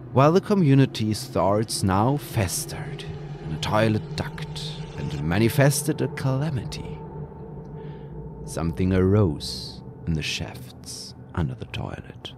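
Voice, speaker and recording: A man whose first language is German, slowly reading a scripted horror story with deliberate, dramatic pauses. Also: fairly low pitch, vocal fry, darkish tone, a little hiss or hum. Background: music.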